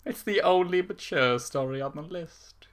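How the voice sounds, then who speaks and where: A man's voice: on the high side, moderate pace, fairly bright tone. A man narrating a comic story in an irreverent, theatrical, sweary manner, dropping in casual asides. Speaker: narrator reading fan fiction.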